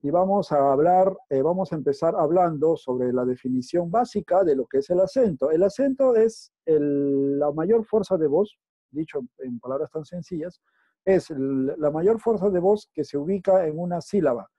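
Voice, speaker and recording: A man's voice: fairly high pitch, lively intonation, normal speed, warm tone, no room sound. A male teacher with a Peruvian accent, giving a recorded class and explaining step by step, often checking that students follow. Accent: Peruvian Spanish. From Peru. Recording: dull lo-fi recording.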